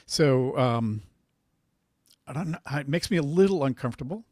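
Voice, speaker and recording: A man on a casual panel chat who talks hesitantly, with many pauses and restarts. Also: mid-range voice, lively intonation, darkish tone, dry recording, clean studio sound.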